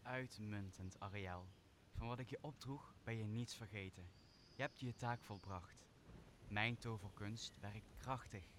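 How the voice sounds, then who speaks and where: A man's voice: lowish voice, a little slow, a bit bright. A man acting a vengeful magician who commands spirits in a Shakespeare radio play, solemn and authoritative. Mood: commanding, satisfied. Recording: faint background noise.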